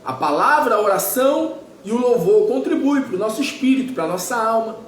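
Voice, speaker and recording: A man's voice: extremely high pitch, animated, a little fast, roomy sound, slight background noise. Emphatic preaching man in his forties. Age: 40s. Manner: emphatic, repetitive preaching with rhetorical questions. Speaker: pastor. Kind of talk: sermon.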